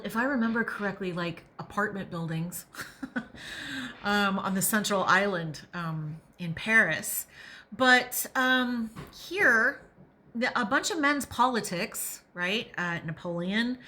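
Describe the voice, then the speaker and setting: A woman hosting a podcast, reading aloud and adding opinionated, emphatic commentary, sometimes pausing to think out loud. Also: on the low side, a little hiss or hum. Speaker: podcast host and reader.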